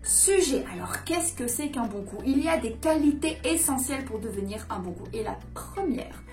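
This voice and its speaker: A woman's voice: high voice, lively intonation, normal speed, a little mellow, faint music behind. A woman coach talking casually to camera in a hyped-up, over-caffeinated way with emphatic bursts. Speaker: dating and seduction coach presenting her channel. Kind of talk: casual vlog explainer to camera.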